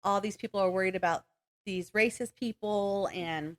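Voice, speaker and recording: A woman's voice: medium pitch, normal speed, fairly bright tone. A woman podcast co-host chatting casually about books in a rambling, giggly way. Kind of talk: casual book chat.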